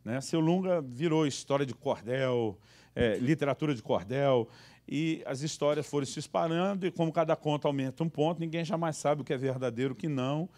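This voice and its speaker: A man pastor, telling funny stories in a church sermon and acting out the people in them. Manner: animated, acts out quoted dialogue with sudden high voices. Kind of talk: humorous storytelling sermon. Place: church service.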